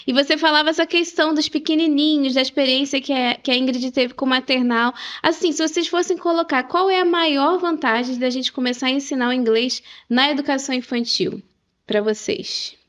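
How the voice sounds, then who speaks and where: A woman interviewer leads a casual podcast chat in a playful way. She jokes around, and her voice is quite high. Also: steady tone, brisk, fairly bright tone. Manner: playful, laughs easily.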